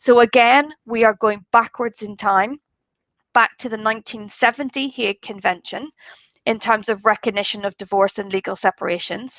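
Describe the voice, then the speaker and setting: A woman with an Irish accent speaks at a moderate pace, her fairly high pitch held to fairly even intonation. The sound is dry and close with no echo, over a quiet background. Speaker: family lawyer. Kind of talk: lecture.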